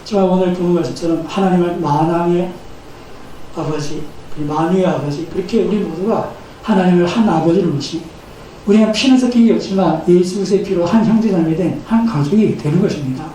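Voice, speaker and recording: High-voiced pastor in his fifties, echoing church. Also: a little fast, mellow. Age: 50s. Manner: earnest preaching with rising emphasis. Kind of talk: sermon. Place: church sanctuary. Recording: echoey church hall, mic at a distance, faint noise.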